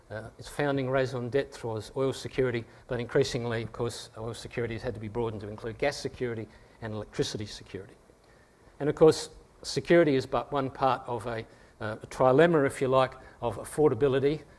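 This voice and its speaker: In a quiet background, a man with a strong Australian accent speaks very fast at a medium pitch. His intonation is fairly even, but his loudness swings widely. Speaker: energy analyst. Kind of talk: conference talk. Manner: casual, joking.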